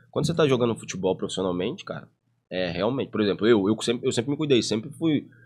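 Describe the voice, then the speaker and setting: A man talking at a very fast pace with ordinary pitch variation, against a quiet background. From Rio de Janeiro, Brazil (Duque de Caxias); Rio de Janeiro, Brazil. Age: 30s. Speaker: former footballer turned investment advisor; guest. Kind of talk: casual interview. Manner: hesitant, frequent fillers and repetitions. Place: studio. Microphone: studio mic.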